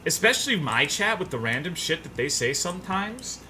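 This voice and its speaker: A man chatting casually on a livestream, rambling and swearing in a self-deprecating, animated way. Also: fairly high pitch, moderate pace, a little hiss or hum. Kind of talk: casual livestream chat, reading viewers' messages aloud.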